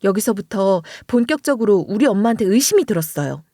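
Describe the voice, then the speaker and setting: Expressive woman story narrator. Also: medium pitch, a little fast, no echo, clean studio sound. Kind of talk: scripted first-person story narration.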